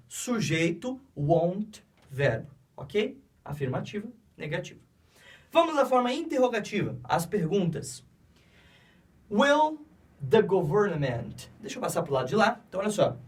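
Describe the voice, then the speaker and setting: Slow, patient Brazilian male teacher. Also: on the high side, distant mic. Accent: Brazilian Portuguese. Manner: patient, repeats steps, checks in with "tá?" and "ok?". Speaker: English teacher. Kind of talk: grammar lesson explanation.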